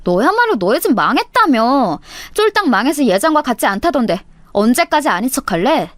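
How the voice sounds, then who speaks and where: A woman doing a snide rich girl classmate, taunting and mocking, voice swooping up high in a dry close recording. Spiteful and snobbish, she talks down to everyone. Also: sing-song, fairly quick, a bit bright, no echo. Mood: flustered.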